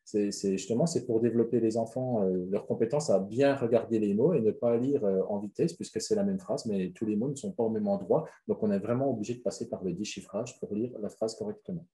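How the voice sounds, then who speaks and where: A man's voice: lowish voice, fairly quick, few pauses, dark tone. A man presenting a webinar on a reading method, explaining in a loose, hesitant way with many fillers and restarts.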